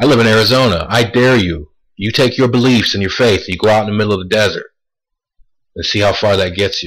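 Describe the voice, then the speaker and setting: Very fast speech with fairly even intonation over a quiet background. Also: man. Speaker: video creator discussing spirituality. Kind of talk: solo monologue. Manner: casual, conversational. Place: home room. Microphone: headset.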